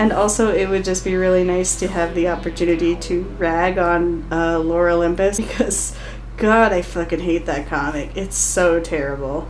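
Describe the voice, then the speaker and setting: With fairly even intonation, a woman speaks at a moderate pace. Audible room echo hangs around her words. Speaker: artist and vlogger. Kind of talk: casual vlog monologue. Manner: halting, trails off.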